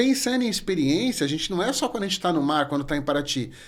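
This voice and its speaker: A man talks at a high pitch with lively intonation. The recording is very clean and the background is silent. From São Paulo, Brazil. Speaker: diving instructor and business owner. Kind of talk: podcast interview.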